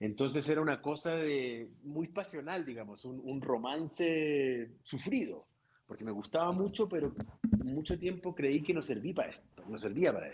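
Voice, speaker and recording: With lively intonation and big swings in loudness, a man with a fairly high voice talks at a moderate pace. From Chile, Patagonia (Punta Arenas). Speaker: voice actor and dubbing director. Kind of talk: interview. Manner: energetic.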